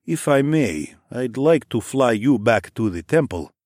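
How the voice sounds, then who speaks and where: A man voicing a deferential, earnest white dragon in a fantasy audiobook, polite and measured. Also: mid-range voice, sing-song, darkish tone, no room sound, studio quality.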